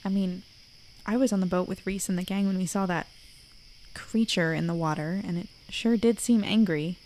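A woman's voice: medium pitch, fairly even intonation, normal speed, darkish tone, slight background noise, natural voice, poor audio. A woman playing a wary, frank investigator, narrating and talking in an audio drama. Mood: musing.

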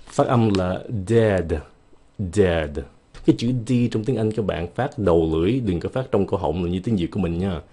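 A man whose first language is Vietnamese, teaching English vocabulary in a casual, explanatory lesson and slowing right down to model each English word. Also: low voice, mellow, slightly rough. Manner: slows down sharply to model English words.

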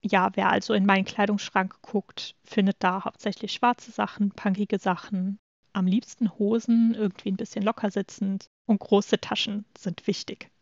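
A woman in her twenties from Germany, co-hosting a casual podcast and talking about her clothing style in a measured way. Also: mid-range voice, little pitch movement, no room sound, highs cut off. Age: 20s. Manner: reads content notes in a measured way. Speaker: podcast co-host.

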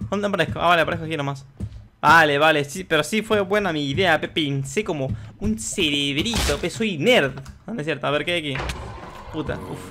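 A young man giving excitable gameplay commentary, swearing and yelling at the game as he plays. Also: on the high side, a little fast, slight background noise. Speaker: gaming youtuber.

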